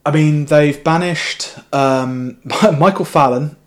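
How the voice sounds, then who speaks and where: A young man hosting a podcast, rambling through politics with many fillers and quick laughs. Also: fairly high pitch. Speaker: podcast host. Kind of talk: casual political chat.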